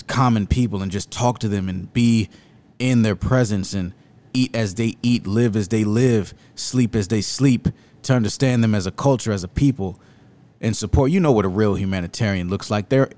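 A man's voice: on the low side, dark tone. A man hosting an opinionated video commentary, speaking in an emphatic, rhetorical and indignant way. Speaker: commentary host.

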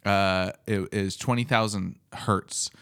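A man's voice: on the low side, steady tone, slow pace, a bit bright. Rambling man in casual podcast chat. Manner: rambling, many fillers and restarts. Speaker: podcast host.

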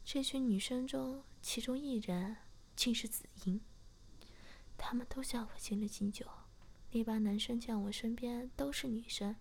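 A woman reading a story aloud in a soft, breathy whisper. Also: on the high side. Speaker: story reader.

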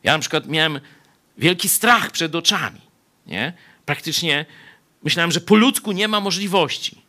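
Preaching a Bible study at a moderate pace, this male pastor has a slightly high voice. His conversational delivery is lively, shifting from quiet asides to emphatic peaks, and he frequently adds a questioning "nie?".

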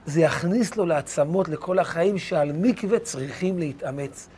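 A man's voice: on the high side, a little mellow, husky. A man telling of a steadfast Hasidic father. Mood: earnest.

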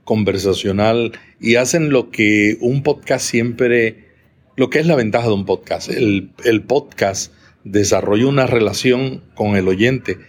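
A man hosting a podcast interview, asking attentive, measured questions. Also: mid-range voice. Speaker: podcast host. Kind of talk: conversational interview.

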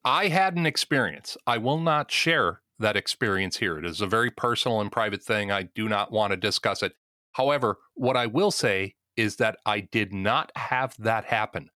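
A man hosting a podcast discussion, speaking in a measured, deliberate way and steering the questions. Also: fairly low pitch, lively intonation, pushed and bright, no room sound, clean studio sound. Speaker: podcast host.

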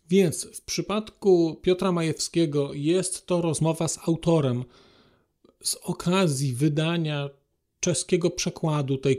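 A man hosting a podcast, speaking formally and politely to listeners in a halting monologue. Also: sits high, warm tone. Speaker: podcast host.

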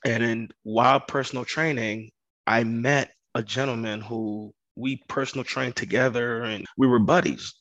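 A podcast guest from Ghana in West Africa who owns a construction business tells his story in an earnest, conversational way, repeating phrases for emphasis. His mid-range voice is a bit bright, with fairly even intonation and a moderate pace. The recording is dry, with the highs cut off.

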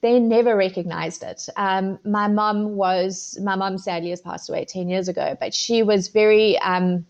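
A woman's voice: medium pitch, fairly even intonation, normal speed, hardly any pauses, a little mellow, lo-fi sound. A middle-aged woman with a South African accent, a food photographer answering interview questions in a loose, rambling way full of ums and restarts. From Zimbabwe and South Africa. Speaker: podcast guest, food photographer.

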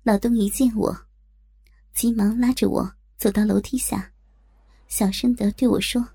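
A woman narrates a first-person story in a steady, plain voice. Her tone is gravelly and mellow, and her higher pitch sits in a dry, close recording. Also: a little slow, dry recording.

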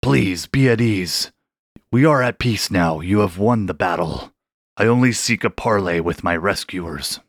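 A vast, ancient king of the sharks, as a man puts him on for a storybook, with a deep growling voice. He speaks slowly and solemnly with grand formality. The sound is close and dry. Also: expressive, dry recording, full character voice. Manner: slow, solemn, stately speech. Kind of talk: storybook character voice.

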